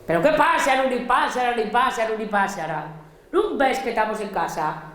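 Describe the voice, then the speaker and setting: A woman with an Asturian accent voicing a good-humoured father who slowly wakes his daughter. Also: a little high, lively intonation, a bit bright, echoey room. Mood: cheerful. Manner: slow, drawn-out and cheerful.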